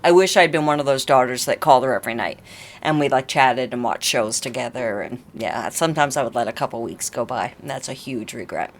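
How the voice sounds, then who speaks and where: A woman's voice: very deep voice, fairly quick. A woman giving a candid, casual interview answer in a wistful, reflective way.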